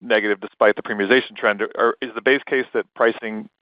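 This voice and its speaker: A man's voice: fairly low pitch, steady tone, fast talker, no room sound. A man speaking as an analyst on an earnings call, putting long, winding questions with self-corrections. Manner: wordy, winding multi-part questions. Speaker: financial analyst asking questions. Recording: slightly dull, dry call audio.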